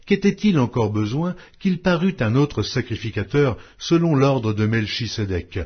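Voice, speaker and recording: A man reading scripture aloud as an audiobook, in a solemn, measured, declamatory way. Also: medium pitch, expressive, breathy edge, highs cut off. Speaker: audiobook Bible reader.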